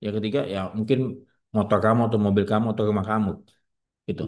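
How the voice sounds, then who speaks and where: A man's voice: on the low side, flat delivery, racing. A man giving a classroom lecture to insurance staff, posing rhetorical questions and answering them himself, with frank, joking asides. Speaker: insurance trainer.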